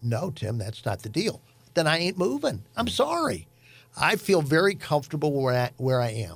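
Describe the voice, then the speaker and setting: A man with an American accent speaks at a fairly high pitch, somewhat breathy, with very wide pitch swings. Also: moderate pace. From St. Louis, Missouri. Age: 70s. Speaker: retired radio sales executive, father of host. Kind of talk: casual interview, life story. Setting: studio.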